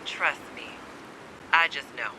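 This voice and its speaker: A guarded game survivor on edge, with a fairly high voice. The delivery is blunt, cynical and urgent. A clear low rumble runs under the speech. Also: male voice, takes it slowly. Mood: guarded, wry. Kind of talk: dramatic video game acting.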